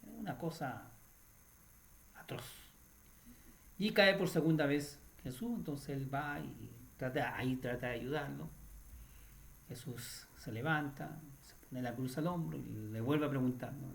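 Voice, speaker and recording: A man's voice: medium pitch, a little slow, creaky, slight background noise. A man hosting a Catholic radio program, retelling a story in a chatty teaching style, often tacking "right?" onto his sentences and restarting phrases. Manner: adds tag questions like "right?", with restarts.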